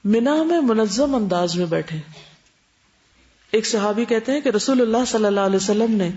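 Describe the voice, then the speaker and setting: A woman giving a religious lecture as an Islamic teacher, explaining step by step and checking that listeners follow with quick questions. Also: a little high, lively intonation, mellow. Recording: dull lo-fi recording.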